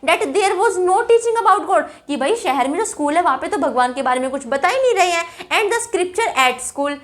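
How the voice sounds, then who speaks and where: A young woman teaching an English chapter in Hindi, chatty, calling students "bhai" and checking in with "theek hai", reading English lines slowly before explaining them. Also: very high voice, expressive.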